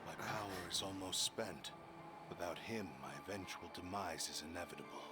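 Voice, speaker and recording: A man's voice: low voice, brisk, loud music behind the voice, lightly acted. A man voicing the remorseful spirit of a cursed sword in a video game, solemn and pleading.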